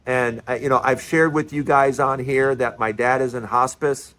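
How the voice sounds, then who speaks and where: A man's voice: mid-range voice, fairly even intonation, normal speed, fairly bright tone. A man in his early sixties giving an emphatic, passionate monologue, often repeating and restarting words. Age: 60s. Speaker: commentary host.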